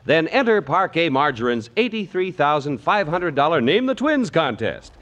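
Animated old-time radio announcer, man. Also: on the high side, normal speed. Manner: emphatic, polished salesman delivery. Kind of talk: 1950s old-time radio announcer, sponsor reads and scripted introductions. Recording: vintage 1950s radio broadcast.

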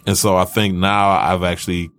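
A man's voice: low-pitched, level tone, moderate pace, fairly bright tone, no room sound. A man in his thirties in a casual group chat, rambling and loose, swearing and trailing off mid-thought. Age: 30s.

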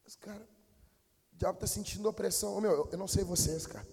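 A Brazilian pastor with a high, ringing voice preaches in blunt street slang. He drops to a low mutter and then bursts into shouting. His voice carries a long echo through the church hall. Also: fast, gravelly, husky. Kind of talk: preaching a sermon.

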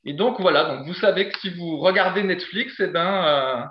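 A man's voice: high-pitched, moderate pace. A middle-aged man co-hosting a sports podcast, chatting casually and teasing his partner with jokey stories. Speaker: podcast co-host. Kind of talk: casual chat. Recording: dull lo-fi sound.

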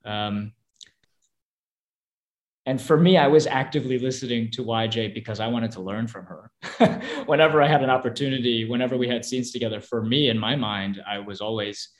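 A young man, an actor whose first language is Korean, answering interview questions thoughtfully, with frequent restarts and soft laughs. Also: medium pitch, normal speed.

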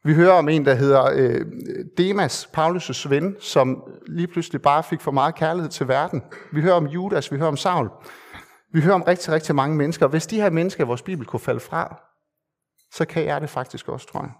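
A male preacher delivers a sermon in a fairly high voice. He speaks earnestly and conversationally, pausing on fillers and repeating phrases to stress his point. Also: vocal fry.

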